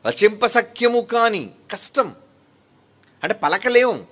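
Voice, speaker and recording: A man's voice: sits high, lively intonation, slow pace, a bit bright. A man preaching a Bible teaching sermon. He often asks his listeners questions and repeats phrases for emphasis.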